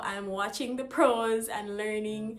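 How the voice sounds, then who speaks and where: A woman with a fairly high pitch speaks slowly in a monotone, flat way. Music plays behind her, and room echo is audible. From Jamaica. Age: 20s. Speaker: lifestyle content creator. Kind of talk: tutorial.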